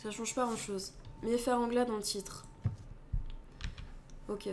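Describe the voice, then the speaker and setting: A young woman with a French accent chats with her live stream audience, reading their messages aloud and replying on the fly. Her voice sits fairly high. A faint hiss of background noise runs under her desk mic. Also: fairly even intonation, takes it slowly, darkish tone. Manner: chatty, reads and answers chat, switches languages. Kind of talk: casual live-stream chat.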